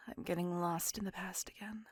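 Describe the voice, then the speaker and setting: A woman voicing a possessive, doting, centuries-old female vampire in an ASMR roleplay, whispering softly with formal, old-fashioned phrasing. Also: on the low side, husky, dry recording. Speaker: voice actor.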